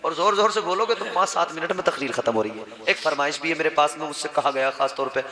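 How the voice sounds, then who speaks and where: A man's voice: on the high side, expressive, fast talker, sharp tone. A man preaching to a gathering, telling a religious story with dramatic voiced dialogue and humorous asides. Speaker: Islamic preacher. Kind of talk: sermon storytelling. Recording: live crowd at a religious gathering. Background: crowd.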